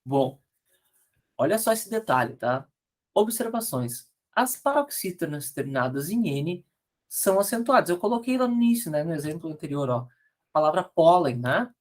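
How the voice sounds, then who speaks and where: A man's voice: on the high side, sing-song. A man with a Brazilian Portuguese accent teaching an online grammar lesson, explaining rules patiently and checking in with frequent tag questions. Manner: spells out letters slowly, corrects slide errors aloud.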